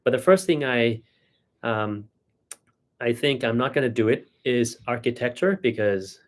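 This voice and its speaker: A man's voice: medium pitch, measured pace. A man with a Thai accent, a native Thai speaker, explaining things as a doctor hosting a casual Q&A. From Thailand. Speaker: doctor and live-stream host.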